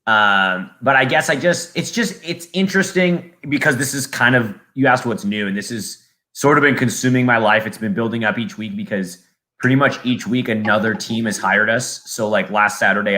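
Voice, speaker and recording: A man's voice: on the low side, moderate pace, pushed and bright. A young man with a Southern California accent, a play-by-play announcer chatting on a podcast, rambling with lots of fillers and restarts. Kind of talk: casual podcast chat.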